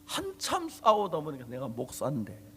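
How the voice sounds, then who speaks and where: A middle-aged male pastor preaching a sermon, telling a story in an animated way and acting out a quarrel in different voices. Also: on the high side, moderate pace, slight background noise. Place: church hall. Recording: long hall reverb.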